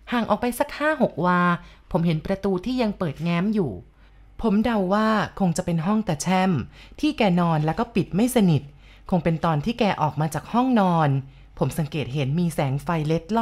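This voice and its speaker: A woman with a somewhat low voice reads a spooky tale aloud. She keeps a calm, even storytelling pace throughout. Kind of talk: scripted narration of a ghost story.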